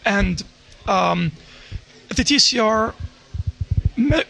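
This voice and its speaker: A man in a roundtable discussion, talking in a halting way with many restarts. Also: high voice, expressive, vocal fry, sharp tone, low-quality recording. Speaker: roundtable participant.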